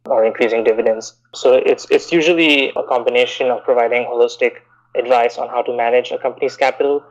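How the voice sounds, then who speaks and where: A man in his thirties from India, raised in Bahrain, answering interview questions in a measured, explanatory way with frequent "you know" fillers. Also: medium pitch, fairly even intonation, muffled recording. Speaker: guest, investment banker.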